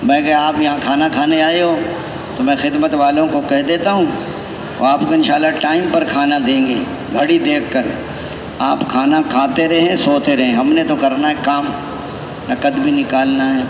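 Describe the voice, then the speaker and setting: A man's voice: mid-range voice, level tone, moderate pace, lo-fi sound. A man with a Pakistani accent preaching a Muslim sermon conversationally, using rhetorical questions, repeated phrases and anecdotes. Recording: echoey hall, long reverb, noisy background.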